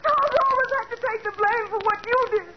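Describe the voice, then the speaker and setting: An actress playing an emotional, fiercely loyal young wife in 1940s radio drama style. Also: female voice, very high voice, fast. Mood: accusing, distraught. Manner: pleading, indignant. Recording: dull, noisy 1940s radio recording.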